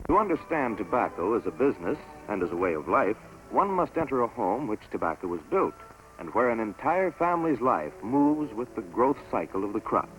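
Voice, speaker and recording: A man giving scripted narration for a promotional documentary film in a measured, stately announcer delivery. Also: on the low side, very animated, a bit bright, poor audio. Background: orchestral music score.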